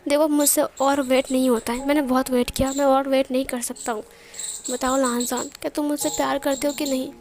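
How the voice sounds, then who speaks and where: A woman voicing a playful young man in love, teasing and coaxing in her own high voice. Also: flat delivery, a little fast, darkish tone, a little hiss or hum.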